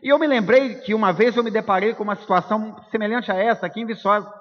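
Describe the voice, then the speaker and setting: A man with a Brazilian Portuguese accent preaching a sermon, telling a personal story in an animated way and speaking straight to the congregation. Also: high-pitched, fast. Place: church hall. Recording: echoey hall, dull lo-fi sound.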